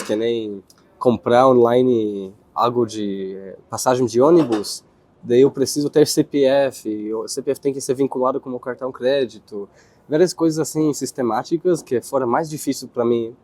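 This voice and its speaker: Hesitant Israeli man, dark mellow voice. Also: mid-range voice, normal speed. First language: Hebrew. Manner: hesitant, searching for words, with restarts. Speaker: interviewee. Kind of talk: casual interview answers.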